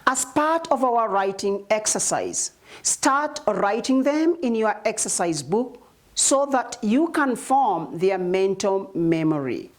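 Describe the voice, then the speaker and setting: A woman with a Kenyan accent teaching Arabic short vowels, reciting letters and syllables one by one in a slow, deliberate drill. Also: medium pitch, lively intonation. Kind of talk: slow spelling drill lesson.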